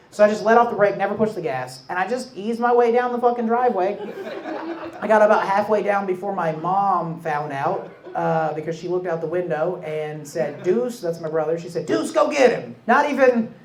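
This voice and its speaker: A man's voice: high voice, roomy sound. A man telling a crude, profane, self-mocking story at a live storytelling show.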